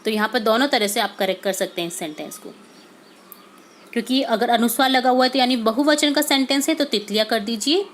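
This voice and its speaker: A woman's voice: on the high side, brisk, a little hiss or hum. A woman teacher going through workbook answers step by step, mixing English words into her explanations. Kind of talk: workbook solution lesson.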